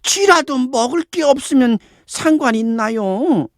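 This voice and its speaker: A man voicing a sleepy young woman in a storybook reading, slow and drowsy in a raised, thin voice. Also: animated, no room sound, studio quality. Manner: drowsy, drawn-out, high falsetto-like voice. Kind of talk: audiobook reading of a classic short story.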